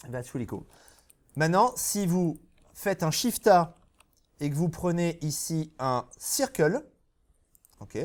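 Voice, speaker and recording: A 3D software instructor with a slightly high voice leads a live tutorial in a classroom with an audience. He moves back and forth between French and English and frequently checks in with his students.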